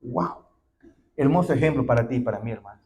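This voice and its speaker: A man preaching a sermon, emphatic and rising to shouted declarations, often calling listeners brother. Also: medium pitch, expressive, a little fast, creaky.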